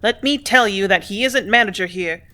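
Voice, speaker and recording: A woman's voice: mid-range voice, normal speed, sharp tone, lightly acted. A woman reading the part of a brusque, blustering male factory superintendent who snaps and roars at his clerk. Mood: angry. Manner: snapping, roaring, bullying.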